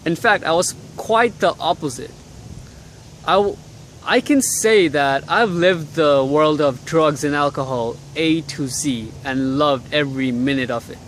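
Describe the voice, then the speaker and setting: With traffic humming faintly behind him, a young Bangladeshi vlogger delivers blunt, profanity-laced motivation in a casual outdoor video shot in the cold city. He keeps a measured pace, and his voice is fairly bright and somewhat higher than most men's.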